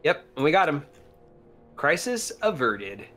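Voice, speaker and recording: A man playing a tabletop game, talking casually in a joking, animated way. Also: fairly high pitch, measured pace, soft background music. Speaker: board game player.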